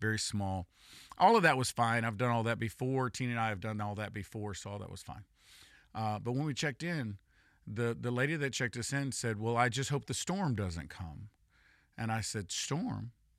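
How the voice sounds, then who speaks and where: A medium-pitched man with an American accent at a moderate pace, with ordinary pitch variation, on a very clean recording with a silent background. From North Carolina. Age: 50s. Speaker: pastor. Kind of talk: sermon. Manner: halting.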